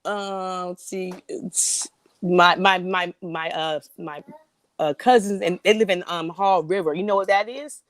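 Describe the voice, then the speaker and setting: A woman from North Carolina, a guest on a casual live chat, who talks in halting starts and repeats words. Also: on the low side, dry recording. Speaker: livestream guest.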